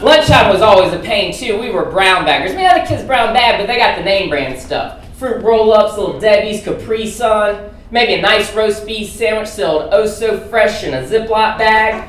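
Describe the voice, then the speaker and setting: A man from Alabama with a Southern accent, doing a punchy stand-up comedy set to a crowd with loud bursts. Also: sits high, expressive, normal speed. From Alabama, USA. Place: comedy theater stage. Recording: echoey theater recorded from far off, noisy.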